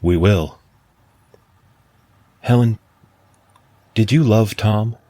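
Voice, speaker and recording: A man playing a deep-voiced wistful android man. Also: extremely slow, dry recording. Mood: reflective. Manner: soft-spoken, reflective. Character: thoughtful male android, quietly wistful. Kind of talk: radio drama acting.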